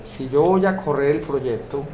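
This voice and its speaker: A man with a Colombian Spanish accent, teaching a software course and walking through a screen-recorded tutorial step by step, often checking in with rhetorical questions. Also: medium pitch, moderate pace. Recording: echoey room with steady background noise.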